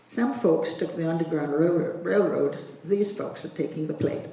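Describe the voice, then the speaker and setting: A woman introducing a speaker at a ceremony with slow, measured storytelling. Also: deep voice, creaky, dark tone. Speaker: event emcee introducing a speaker. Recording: echoey hall, distant microphone.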